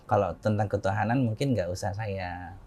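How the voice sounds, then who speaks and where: A man's voice: on the low side, normal speed, slight background noise. Middle-aged Indonesian man telling a story. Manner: lively, acts out quoted dialogue with raised voice, chuckles often. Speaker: interview guest. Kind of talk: conversational personal storytelling.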